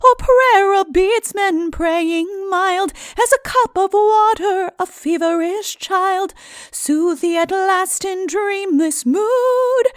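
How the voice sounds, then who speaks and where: Woman singing as a high-voiced, lovesick knight. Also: no room sound, studio quality, exaggerated voice. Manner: earnest, archaic and pleading. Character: fearless young male knight, tender and lovesick. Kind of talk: slow sung ballad dialogue.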